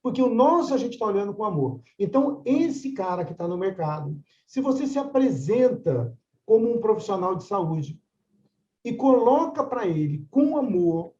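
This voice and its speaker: A man's voice: sits high, sing-song, normal speed, warm tone, echoey room, lo-fi sound. An older man mediating a religious study class, talking conversationally and often asking "right?" of his listeners. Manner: conversational, frequent tag questions. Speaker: course mediator.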